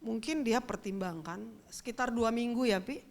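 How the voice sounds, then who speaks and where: A woman's voice: on the high side, expressive, moderate pace, a little mellow. A middle-aged woman pastor, giving a sermon as a chatty personal story and speaking straight to the congregation. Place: church.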